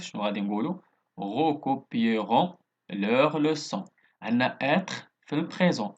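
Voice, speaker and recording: A man with a Moroccan accent, a teacher explaining a French worksheet, dictating slowly and adding quick asides in Moroccan Arabic. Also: mid-range voice, slightly rough. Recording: dull lo-fi recording.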